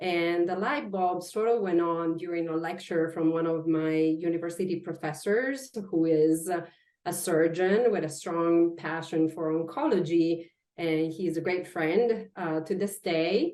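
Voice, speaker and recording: The speaker has an Italian accent and moves at a fairly slow pace. Pitch variation is ordinary. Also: woman, fairly low pitch for a woman. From Italy. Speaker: veterinary oncology professor. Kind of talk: interview. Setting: recorded webinar.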